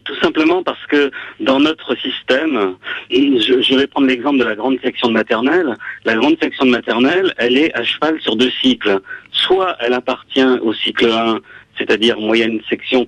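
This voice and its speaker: A man's voice: mid-range voice, a bit bright, no echo, poor audio. A man with a French accent from France, his voice electronically altered for anonymity, arguing in a radio interview with hesitations and repeated words. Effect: voice changer, electronically altered voice for anonymity. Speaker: interview guest, school inspector and author.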